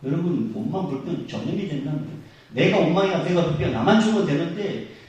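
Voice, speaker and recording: A middle-aged man preaching a Sunday sermon as senior pastor. He swings between loud exhortation and quiet asides, and acts out the grumbling voices of the people he quotes. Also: on the high side, expressive, fairly quick, muffled recording. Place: large church sanctuary. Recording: very echoey sanctuary, voice from far off.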